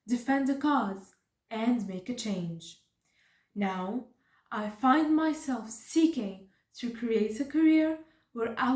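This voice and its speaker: Woman student giving a prepared answer, fairly high voice, echoey room. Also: a little mellow. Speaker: student project member. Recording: roomy, distant microphone.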